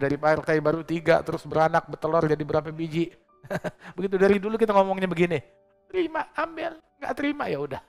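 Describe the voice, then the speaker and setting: A man's voice: on the high side, gravelly. A male preacher giving a religious lecture to a congregation in a mosque, speaking emphatically and asking rhetorical questions with joking asides. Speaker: Islamic preacher.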